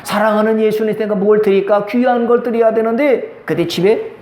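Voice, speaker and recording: High-voiced male pastor preaching. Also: steady tone, fairly quick, a little mellow. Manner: call-and-response preaching, acting out quoted voices. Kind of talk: sermon. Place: church sanctuary. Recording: echoey church hall.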